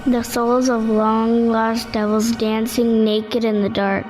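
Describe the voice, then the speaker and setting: An eerie woman intones dark visions in a surreal audio drama. Her pitch is fairly high and very level, her pacing slow and incantatory. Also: little pitch movement, faint music behind, rough recording.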